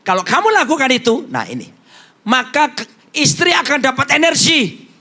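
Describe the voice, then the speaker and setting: A man's voice: very high voice, wildly swooping pitch, moderate pace, sharp tone. A middle-aged male pastor, preaching a humorous sermon and telling stories in a jokey way. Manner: jokey storyteller, acts out quotes, slips into Javanese phrases.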